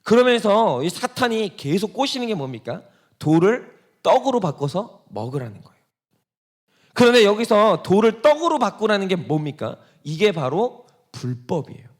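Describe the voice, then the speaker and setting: A man's voice: high-pitched, sing-song, normal speed. A male pastor preaching a sermon, asking the congregation rhetorical questions and acting out quoted voices. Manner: acts out Satan's taunting voice in quotes.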